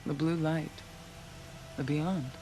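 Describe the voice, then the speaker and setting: A woman's voice: low-pitched, fairly even intonation, slow pace, noisy background. Solemn tribal shaman, devout and determined. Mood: solemn, reflective. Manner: solemn, reverent. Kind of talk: dramatic video game acting.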